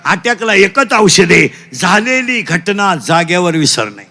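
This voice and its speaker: A man with a Marathi accent leads a comic devotional sermon, calling out questions and drilling the children to answer loudly. His voice sits very high and cuts with a bright, edgy ring. A gravelly fry runs under his words. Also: very animated, measured pace. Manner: quizzes the crowd, drills children, mixes in broken English. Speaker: kirtan preacher. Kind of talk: comic devotional sermon with audience call-and-response. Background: crowd answering back.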